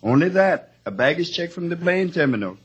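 Husky, gossipy hotel man. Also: fairly high pitch, very animated, brisk, dull audio, full character voice. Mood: sly, wry. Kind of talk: 1950s radio drama acting. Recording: vintage 1950s radio recording.

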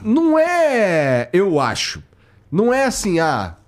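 A man hosting a casual podcast, asking questions in a relaxed, curious way. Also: high voice, slow. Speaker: podcast host.

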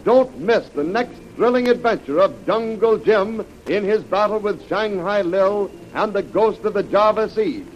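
Man, American, old radio announcer, high voice, dramatic declamation, muffled noisy vintage recording. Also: expressive, unhurried, few pauses. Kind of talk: old-time radio announcer delivery, scripted.

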